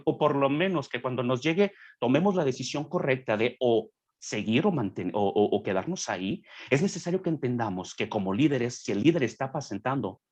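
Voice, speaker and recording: Young guy, kinda husky voice, preachy and earnest on a podcast, does little quoted voices. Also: medium pitch, darkish tone. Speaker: guest speaker.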